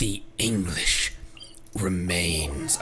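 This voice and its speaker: A man puts on a character voice with a very deep, low pitch as clear background noise plays behind him. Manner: grandiose, ominous.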